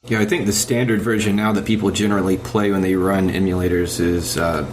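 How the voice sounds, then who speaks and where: A man with a low voice talks casually as a podcast panelist. A clear noise like air conditioning runs behind him. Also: fairly even intonation, brisk. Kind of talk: casual discussion.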